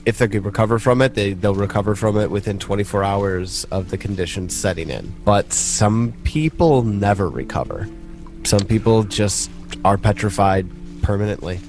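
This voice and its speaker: A man running a tabletop game as game master, narrating casually with halting, joking delivery. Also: on the low side, darkish tone, faint music behind.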